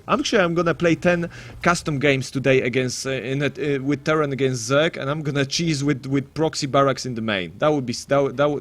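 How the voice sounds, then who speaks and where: A man's voice: mid-range voice, fairly bright tone, no room sound. A man commentating live on a game tournament in a casual, rambling way, full of matey banter and mock-announcer flourishes.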